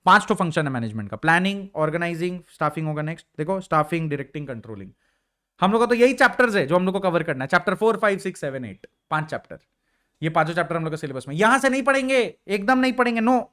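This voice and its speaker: A man's voice: high voice, lively intonation, fast talker, sharp tone. A young man teaching an exam revision lecture in a casual explaining way, asking his students questions. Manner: casual explaining, mixing Hindi and English, asks students questions.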